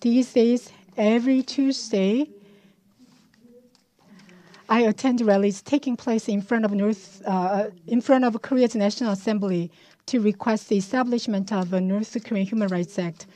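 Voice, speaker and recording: Female interpreter for a formal conference address. Soft, mellow tone, average pitch, measured and halting delivery. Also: steady tone. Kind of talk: live spoken interpretation of a formal speech.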